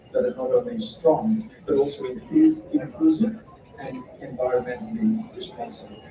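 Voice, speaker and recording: Audible room echo surrounds a man speaking at a moderate pace and a fairly high pitch. His pitch swings very widely. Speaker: development practitioner, conference speaker. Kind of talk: conference keynote speech. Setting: conference podium with audience.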